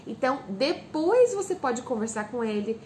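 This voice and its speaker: A woman giving direct parenting advice. She asks parents questions and answers them herself, and she acts out calm lines a parent might say to a child. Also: sits high, moderate pace, a little hiss or hum. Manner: speaks straight to parents, asks and answers her own questions. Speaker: parenting educator.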